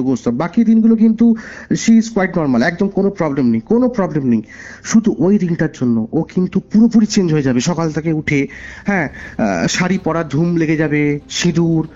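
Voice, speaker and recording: High-pitched and mellow, this caller's voice carries a West Bengal Bengali accent. He earnestly tells a personal story in a conversational way, repeating phrases for emphasis, on a dull, lo-fi call recording over background music.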